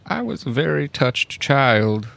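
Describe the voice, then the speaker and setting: A man's voice: medium pitch, very animated, takes it slowly, gravelly, a bit bright. A man playing a tabletop game, improvising casual in-character chat in an awkward, hesitant, wry way.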